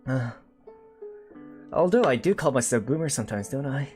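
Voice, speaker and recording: A man's voice: mid-range voice, expressive, normal speed, darkish tone, soft background music. A man in his twenties on a casual livestream, chatting with viewers and reading their comments. He rambles, with many fillers and self-corrections. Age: 20s. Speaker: streamer.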